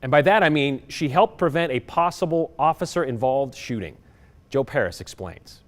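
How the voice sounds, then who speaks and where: A man's voice: mid-range voice, lively intonation, normal speed. An American man anchoring TV news in a conversational style.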